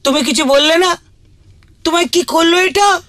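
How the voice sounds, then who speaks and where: A woman voicing a cheeky, excitable young sidekick kid in a children's cartoon. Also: extremely high pitch, moderate pace, no room sound. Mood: puzzled. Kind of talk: Bengali children's cartoon dubbing.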